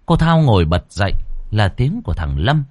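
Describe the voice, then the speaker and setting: A man reading a ghost story aloud as a storyteller, with a dramatic, expressive delivery. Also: lowish voice, normal speed. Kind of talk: scripted horror narration. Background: faint music.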